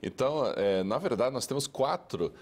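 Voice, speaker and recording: A man, an educator answering interview questions in a measured, lecturing way. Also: mid-range voice, expressive, darkish tone. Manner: measured, lecturing, lists steps.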